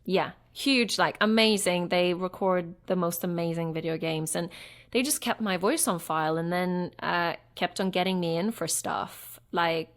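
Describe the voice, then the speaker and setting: A woman in her thirties, originally from Norway, talks as an actress guest in a relaxed interview. Her voice sits a little low, and she rambles reflectively with plenty of fillers and self-corrections. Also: a little slow. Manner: chatty and reflective, many fillers and restarts. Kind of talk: casual interview chat.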